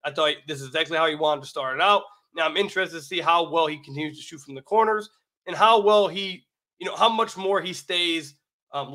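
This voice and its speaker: His voice on the high side, bright and forceful, an American man runs a solo sports podcast on basketball, complete with a sponsor read. He speaks emphatically with repeated phrases, and illness has made his voice slightly raggedy.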